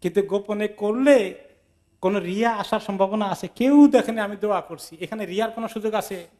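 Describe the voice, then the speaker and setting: A man's voice: high voice, brisk, darkish tone. A man explaining Quran commentary in a conversational sermon, acting out little dialogues and mixing in English words. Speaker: Islamic teacher giving Quran tafsir. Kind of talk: sermon-style lecture with acted anecdotes.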